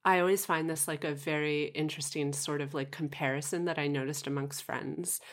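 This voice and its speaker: Podcast host: woman, low register, thoughtful and tentative conversational interviewer. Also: steady tone, brisk. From Canada.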